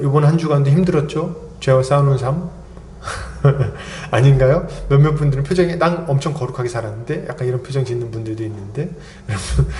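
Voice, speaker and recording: A male pastor preaching an expository sermon, animated and acting out little dialogues. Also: on the high side. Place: church sanctuary. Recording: echoey church hall.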